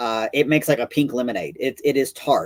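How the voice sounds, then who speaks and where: On a very clean recording with a silent background, a man speaks at a moderate pace in a medium pitch with ordinary pitch variation. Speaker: foraging and homesteading teacher. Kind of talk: live stream chat. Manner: soft-spoken; halting.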